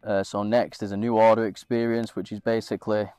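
A young man with a very low, flat voice, slightly nasal and stuffed up from a cold. He rambles casually, circling back with fillers and restarts, recorded dry and close with faint music underneath. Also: a little fast, clear, resonant tone, no echo. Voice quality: a bit nasal. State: congested with a cold. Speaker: investing channel host. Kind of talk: casual screen-share walkthrough.

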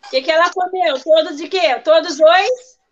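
A woman's voice: very high-pitched, moderate pace, a little hiss or hum. A woman teacher running an online class for young children, coaxing and prompting pupils by name over a video call. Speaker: first-grade teacher. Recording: dull lo-fi video call audio.

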